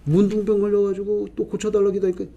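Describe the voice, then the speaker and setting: A man preaching a sermon as a pastor, putting rhetorical questions to the congregation and answering them himself, swinging between loud emphasis and quiet asides. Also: high-pitched, monotone, fast talker, creaky, highs cut off.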